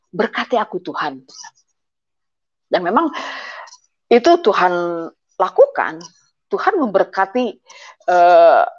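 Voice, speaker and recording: A middle-aged woman giving a personal testimony, speaking hesitantly with many filler sounds as she retells painful family events. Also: fairly low pitch. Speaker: guest giving a conversion testimony. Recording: dull lo-fi audio.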